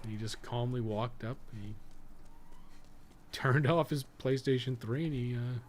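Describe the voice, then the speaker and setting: A man's voice: medium pitch, measured pace. A man giving casual, rambling game stream commentary with a jokey, sometimes profane manner. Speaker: podcast co-host and game guide maker. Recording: clearly noisy background.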